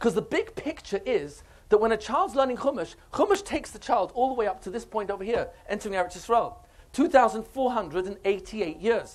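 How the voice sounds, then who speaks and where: His pitch is extremely high for a man, and he talks with a British accent at a moderate pace with lively intonation. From England, London. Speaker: rabbi and educator; rabbi, educator. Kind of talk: lecture. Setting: stage with audience. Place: meeting room.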